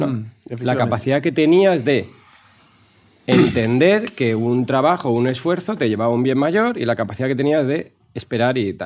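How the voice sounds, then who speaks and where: A man has a normal speaking voice at medium pitch. His intonation is lively, at a moderate pace. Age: 40s. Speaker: panel guest. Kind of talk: panel discussion.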